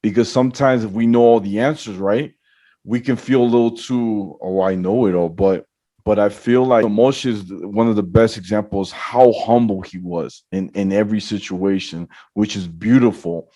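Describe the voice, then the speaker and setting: A man's voice: fairly low pitch, moderate pace, dark tone. A man hosting a podcast, asking questions in a friendly, enthusiastic way. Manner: enthusiastic, repeats his praise. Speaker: podcast host. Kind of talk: casual interview questions.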